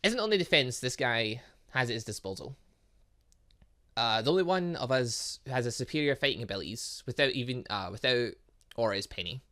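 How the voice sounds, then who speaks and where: A man hosts a gaming let's play in a bright, forceful voice. His pitch moves about a lot as he rambles through his thoughts and switches between reading text aloud and commenting on it. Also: animated, brisk. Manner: rambling, thinking out loud. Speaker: gaming channel host.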